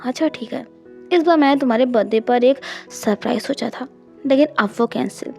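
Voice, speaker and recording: A woman voicing a shy, tender young man in an audiobook, speaking softly with hesitant restarts. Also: on the high side, a little fast, gravelly, faint music behind. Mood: teasing. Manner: soft-spoken, hesitant restarts.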